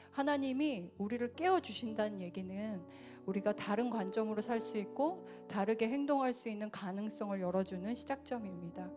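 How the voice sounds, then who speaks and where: Woman preaching over soft music. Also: mid-range voice. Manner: earnest, rises and falls in loudness. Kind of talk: sermon. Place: church sanctuary.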